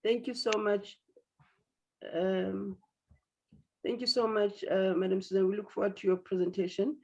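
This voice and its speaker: A woman's voice: mid-range voice, flat delivery, normal speed, warm tone, slight background noise. A woman hosting an online meeting, chatty and apologetic, teasing speakers and stumbling over restarts. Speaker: meeting host. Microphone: video call. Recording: dull lo-fi call audio.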